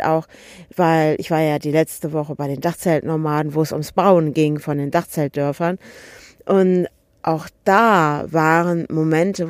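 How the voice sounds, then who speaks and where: Woman in her middle years, earnest storyteller, low-ish mellow voice, dry close sound. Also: dry recording. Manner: earnest, asks repeated questions, acts out dialogue. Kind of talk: reflective personal storytelling.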